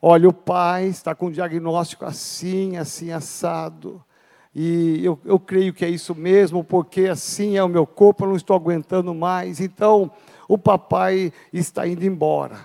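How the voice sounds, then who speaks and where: A preacher voicing a frail old dying father who speaks slowly and wearily, in a reverberant hall. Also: high-pitched, fairly even intonation, creaky, dark tone, pitched below the performer's own voice. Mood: weary.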